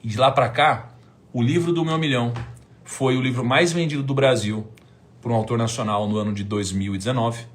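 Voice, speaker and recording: A Brazilian man in his thirties telling a personal story on a live stream, acting out past conversations and swinging from hushed counting to loud excited outbursts. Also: mid-range voice, brisk.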